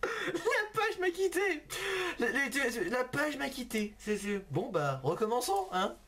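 Young male gaming host, giggly and exclaiming, voice swinging up and down, slow drawn-out delivery, faint keyboard clicks behind. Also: very high voice, big pitch swings, sharp tone. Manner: giggly, exclaiming, talking to a chatbot. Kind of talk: casual gaming commentary.

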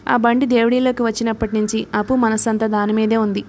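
Female audiobook narrator, higher pitch, steady scripted reading. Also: fast talker, slight background noise.

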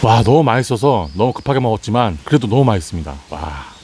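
A man's voice: on the low side, very animated, quick pace, noisy background. A man hosting an outdoor eating show, talking with his mouth full and chewing, with savoring murmurs and exclamations. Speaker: mukbang host.

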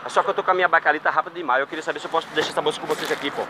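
Insistent, fast-talking prankster man on the street. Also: fairly high pitch, steady tone. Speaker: prank video host. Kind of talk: street prank, persuasive chatter. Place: outdoors on a city street. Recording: street noise from passing cars. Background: traffic noise.

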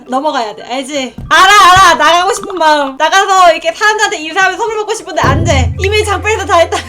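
A very high-pitched woman talks her way through a game, chatty and self-mocking, laughing often. Game music plays clearly behind her. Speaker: game streamer. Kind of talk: casual let's-play commentary.

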